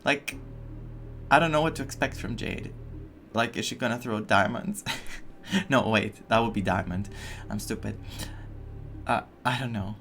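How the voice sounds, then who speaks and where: A man giving casual, animated, rambling reactions as he plays through a game. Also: lowish voice, measured pace, vocal fry, long pauses, slight background noise. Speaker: gaming streamer. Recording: game music under the commentary. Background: game music.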